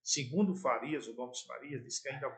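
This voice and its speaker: A middle-aged man with a playful, animated way of telling stories about his years in radio and TV. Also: mid-range voice, normal speed, gravelly. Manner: playful, animated storyteller with jumps in loudness. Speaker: former sports broadcaster and TV presenter. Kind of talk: casual storytelling interview.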